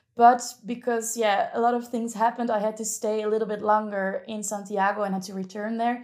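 A woman's fairly high voice with a Dutch accent, fairly quick and with hardly any pauses, with big swings in loudness. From Netherlands. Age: 20s. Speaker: traveler. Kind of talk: interview. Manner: halting.

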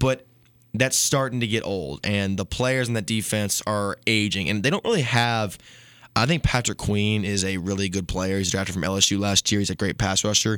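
This man has a normal speaking voice with a fairly low pitch. He talks at a moderate pace on a very clean recording with a silent background. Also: ordinary pitch variation. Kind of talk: radio DJ patter, station promo read and sports banter.

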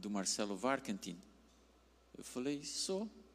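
A man speaks with a German accent. His pace is very slow. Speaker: pastor. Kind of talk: sermon. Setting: church service.

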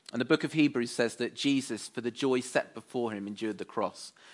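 Over a quiet background, a man with an English accent talks at a medium pitch. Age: 30s. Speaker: visiting preacher. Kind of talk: sermon.

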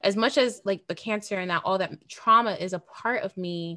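A woman speaks with fairly even intonation. Her tone is bright and sharp. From New York, US. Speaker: podcast host, cancer survivor. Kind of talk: interview conversation.

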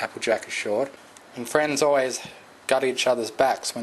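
What you hear is plain reading aloud.

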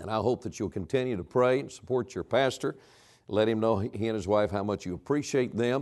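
A man speaks with a Southern US accent. His pace is fairly quick, and his pitch varies in an ordinary way. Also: medium pitch for a man. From US South, North Carolina. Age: 70s. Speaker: evangelist preacher. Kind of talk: sermon. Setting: church.

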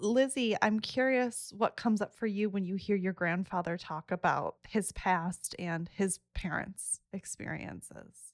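A woman with a normal speaking voice and an American accent, medium pitch, moderate pace, on a very clean recording with a silent background. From US. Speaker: podcast host. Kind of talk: interview conversation.

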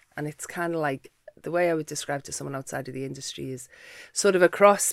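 A woman with a Liverpool accent talks at a fairly quick pace with lively intonation and vocal fry. The recording is very clean, with a silent background. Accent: Liverpool (Scouse) English. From Liverpool, England. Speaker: social engineering expert. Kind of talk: interview.

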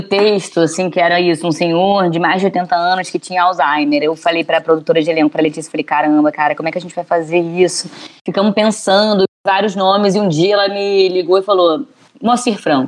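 A woman with an unremarkable speaking voice talks at a fairly low pitch. Her pace is fairly quick, with ordinary pitch variation. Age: 40s. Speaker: TV and film director. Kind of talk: interview.

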